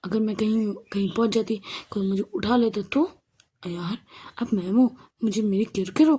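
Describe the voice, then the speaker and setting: A woman's voice: medium pitch, moderate pace, dark tone, husky, natural voice. A woman voicing a pushy, talkative young female student with a teasing, clingy manner. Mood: playful, pleading.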